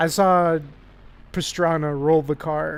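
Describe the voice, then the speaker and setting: This is an unremarkable speaking voice with fairly even intonation. The recording is very clean, with a silent background. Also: man. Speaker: sim racing streamer. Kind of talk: live gameplay commentary. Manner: casual, filler-heavy.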